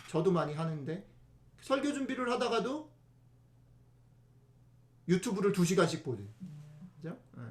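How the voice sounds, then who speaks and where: A man preaching a casual, conversational sermon in a high, animated voice that swings widely in pitch. He keeps turning to the congregation with rhetorical questions. The sound carries a roomy echo from the church. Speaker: pastor.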